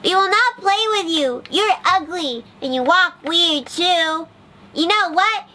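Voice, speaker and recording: A woman voicing a chorus of mean little yellow ducklings who jeer and shout at a sibling. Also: very high-pitched, animated, slow, a little hiss or hum, voice pushed up, heavily acted. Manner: jeering, shouting.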